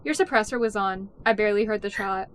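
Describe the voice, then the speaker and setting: A woman playing a guarded, serious wartime spy in an audio drama, with a deadpan, wry manner. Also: mid-range voice, fast talker, lightly acted. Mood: dry.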